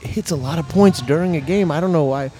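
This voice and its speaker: A man's voice: on the high side, fairly quick, noisy background. A man joining as guest co-commentator on an amateur basketball game, playful and rambling with easy laughs. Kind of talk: comedic live sports commentary.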